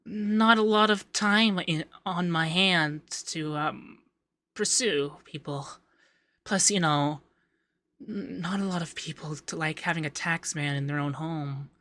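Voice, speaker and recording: Bright, flustered young femboy tax man, acted by a man. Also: a little high, steady tone, a little slow. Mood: shy, hesitant. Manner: stammering, shy, teasing. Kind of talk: ASMR roleplay, acted straight to the listener.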